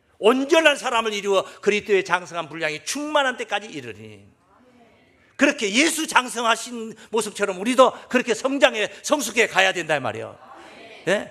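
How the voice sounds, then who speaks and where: Here a man speaks at a high pitch in a raised, projected voice. His tone is animated, with lively intonation. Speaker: pastor. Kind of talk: sermon. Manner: fast; animated, emphatic with audience prompts.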